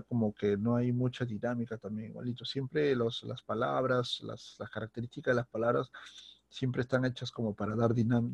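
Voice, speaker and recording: A man's voice: medium pitch, gravelly, darkish tone, husky, dry recording. A Peruvian man teaching a recorded grammar lesson, who keeps checking in with the student and restarts his phrases often. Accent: Peruvian Spanish. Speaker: secondary school teacher.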